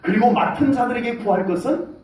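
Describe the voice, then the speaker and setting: A middle-aged man preaching a sermon as pastor in a church, talking with lively gestures of voice and shouting out salutes as he acts out soldiers. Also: extremely high pitch, brisk, slight background noise. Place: church sanctuary. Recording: echoey hall, mic from a distance.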